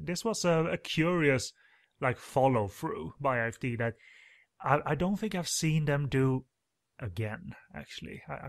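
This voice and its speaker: Male podcast host, casual movie commentary, rambling, fillers, mid-pitched voice. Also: gravelly. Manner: rambling, hesitant, many fillers and restarts.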